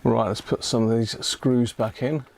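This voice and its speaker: A man's voice: medium pitch, steady tone, moderate pace, darkish tone. A man hosting a live repair stream, muttering casual commentary to himself as he works, with clicks of tinkering behind him. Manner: muttering to himself while working. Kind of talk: casual hands-on commentary while working. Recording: clear background noise with clicks.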